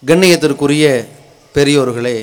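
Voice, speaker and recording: A man delivering a thunderous, forceful sermon as a Muslim preacher, declaiming in short rhetorical phrases to a conference. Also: on the high side, normal speed, clear, resonant tone.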